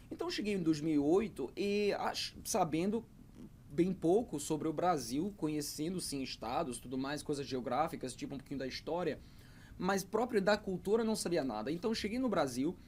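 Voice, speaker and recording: A man's voice: fairly high pitch, darkish tone, slight background noise. Hesitant man explaining to camera. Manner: hesitant, with frequent fillers and repeated words. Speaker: founder and English teacher. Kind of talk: talking to camera about learning English.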